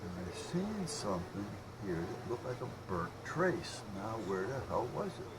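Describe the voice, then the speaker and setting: A man chatting casually and rambling as he thinks out loud while doing hobby radio repair. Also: lowish voice, sing-song, moderate pace. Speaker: hobbyist radio repairer showing his work. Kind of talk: casual unscripted vlog chat while working. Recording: clearly noisy hobby video recording.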